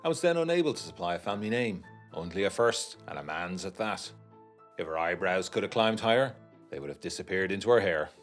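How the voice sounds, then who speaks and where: Gothic audiodrama lead: young gentleman veteran, low-pitched, wry, literary letter narration over music. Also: animated, fairly quick. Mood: wry, confiding. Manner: literary, genteel, wryly confiding. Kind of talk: scripted first-person letter narration, gothic period audiodrama.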